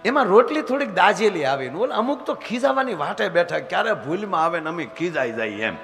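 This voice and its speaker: A man's voice: sits high, sing-song, a little fast, gravelly, fairly bright tone, soft background music. A man telling teasing comic stories on stage before a live audience. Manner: chatty, teasing, acts out scenes. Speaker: folk comedian at a dayro. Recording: live stage hall with faint noise.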